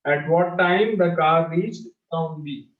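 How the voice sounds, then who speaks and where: A man's voice: on the high side, slow. A male maths teacher with a South Asian accent explains step by step to pupils, repeating his phrases. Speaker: mathematics teacher. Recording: dull, echoey lo-fi class audio.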